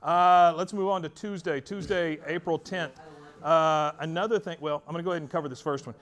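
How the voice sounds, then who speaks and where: A man's voice: on the high side, steady tone, brisk, fairly bright tone. A man hosting a casual chat about upcoming events, joking and teasing as he goes. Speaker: host.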